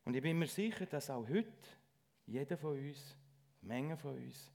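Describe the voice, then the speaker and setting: A middle-aged man giving a lay sermon in church, speaking earnestly and haltingly with frequent restarts. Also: mid-range voice, lively intonation, vocal fry, a little mellow. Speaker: lay preacher.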